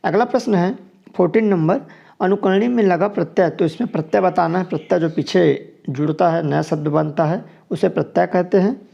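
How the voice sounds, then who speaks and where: A man with a deeply gravelly, dark-toned voice teaches a grammar exam class. He walks through each multiple-choice question, sits a little high in his pitch, and says each answer twice. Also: normal speed, highs cut off. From Chhattisgarh, India. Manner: explains each answer step by step, repeating it. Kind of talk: exam question walkthrough lesson.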